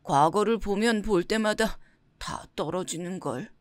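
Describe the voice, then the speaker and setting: A woman voicing a downcast male scholar who keeps failing his exams, speaking slowly and dejectedly. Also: mid-range voice, no echo, close to an everyday voice. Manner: slow, dejected and sighing. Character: downcast male scholar, failed exam candidate. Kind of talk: storybook character voice.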